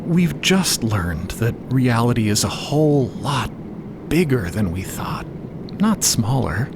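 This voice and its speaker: A man voicing a warm, encouraging woman who consoles a stranded companion in an audio drama. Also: mid-range voice, sing-song, slow, background noise. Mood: gentle comfort. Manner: reassuring, soothing.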